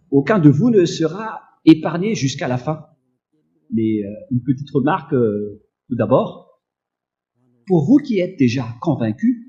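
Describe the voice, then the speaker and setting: A male preacher delivers a slow, emphatic sermon, his pitch swinging widely, with a dark, mellow tone. He hesitates often and has a slight cough. The recording is dull and lo-fi. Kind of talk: sermon teaching.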